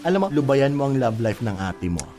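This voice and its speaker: A man's voice: medium pitch, big pitch swings, brisk, lightly acted. A male actor playing a sassy, effeminate gay older sibling in a Filipino radio drama, scolding and exclaiming. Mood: chatty, teasing.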